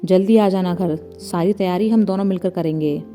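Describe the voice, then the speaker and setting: Woman doing a spirited girl who teases, warm mellow voice, story read with quiet music. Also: lowish voice, normal speed, natural voice. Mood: teasing. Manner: teasing, playful. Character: teasing, spirited young woman. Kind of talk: storybook narration.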